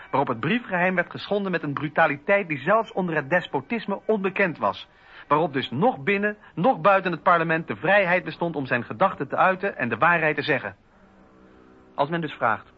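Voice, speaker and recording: Radio drama: indignant Enlightenment democrat, husky, rhetorical delivery, slightly muffled recording. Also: male voice, a little high. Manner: earnest, rhetorical. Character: indignant, principled French Enlightenment philosopher and democrat. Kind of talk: dramatised reading of political writings.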